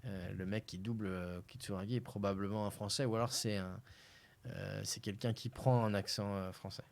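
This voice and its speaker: A man's voice: fairly low pitch, steady tone, normal speed, vocal fry. A young man from France reading a game aloud and chatting casually on a live stream, with hesitations. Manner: casual, hesitant, lots of fillers.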